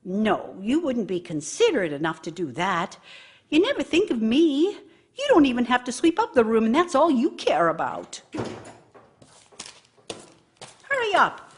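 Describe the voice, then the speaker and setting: A woman's voice: a little high, huge pitch swings, normal speed, breathy edge, full character voice. An actress playing a bitter, nagging working wife who scolds her idle husband with scorn and sarcasm in a radio drama monologue. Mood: nagging, disgusted.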